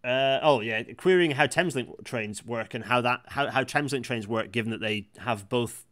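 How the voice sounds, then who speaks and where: Chatty, halting male livestream host. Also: mid-range voice, fairly bright tone. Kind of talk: casual live chat hosting.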